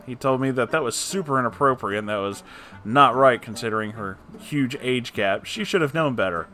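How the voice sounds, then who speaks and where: Reading internet posts out loud for his story channel, a medium-pitched male host keeps interrupting with lively, informal jokes.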